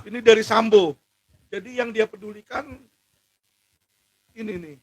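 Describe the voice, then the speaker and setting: An indignant man delivers a heated monologue, his voice pitched high for a man and often climbing into shouts. The sound is close and dry, with no room echo. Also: unhurried, husky. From Indonesia. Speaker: lawyer speaking out on legal injustice. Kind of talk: impassioned monologue to camera.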